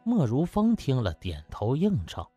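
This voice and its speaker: A man's voice: mid-range voice, huge pitch swings, unhurried, warm tone, slightly rough, soft background music. A man narrating a comic novel as a scripted audiobook, in a dramatic storytelling style.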